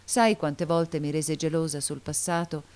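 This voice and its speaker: A woman's voice: sits low, measured pace, a little mellow. A woman voicing a young woman, an anxious and devoted lover, in an audiobook reading, pleading and often rising toward anguished cries. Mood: playful.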